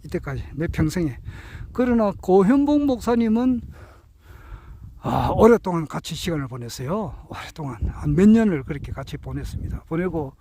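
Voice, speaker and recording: A man in his sixties giving a reflective spoken talk, earnest and hesitant, with many drawn-out fillers and self-corrections. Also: fairly high pitch, sing-song, mellow, poor audio. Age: 60s. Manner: earnest, self-correcting while counting out years. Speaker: speaker sharing reflections on his teachers.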